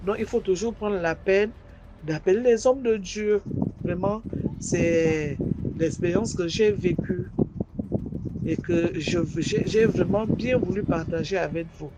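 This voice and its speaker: A woman's voice: fairly low pitch, measured pace, heavy background noise. A woman recounting her own eerie experience in a rambling, conversational way, with asides and restarts. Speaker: listener sharing a personal story. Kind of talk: spoken personal testimony.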